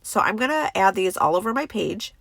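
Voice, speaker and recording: A woman's voice: mid-range voice, very animated, fairly quick, creaky, a bit bright, no echo. A woman with a stuffy, congested voice, chatting enthusiastically through a crafting tutorial voice-over. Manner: chatty and enthusiastic, many fillers.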